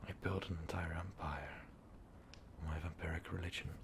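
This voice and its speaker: A man voicing an ancient, brooding, power-hungry vampire overlord in an ASMR roleplay, talking haltingly and often slipping into whispers. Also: sits low, fairly even intonation, gravelly, noisy background. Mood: menacing, hungry. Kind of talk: ASMR roleplay monologue, intimate storytelling.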